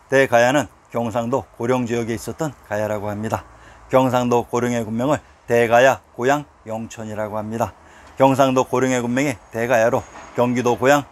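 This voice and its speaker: A man giving a scripted history narration, reading out lists of place names in a measured, declaiming way and sounding openly scornful of mainstream historians. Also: mid-range voice.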